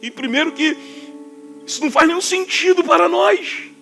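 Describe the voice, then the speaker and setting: A Carioca man preaching in a high voice with forceful emphasis that sounds like scolding. A faint instrument plays under his words. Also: normal speed, creaky, soft background music. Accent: Carioca Portuguese. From Rio de Janeiro, Brazil. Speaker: pastor. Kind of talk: sermon.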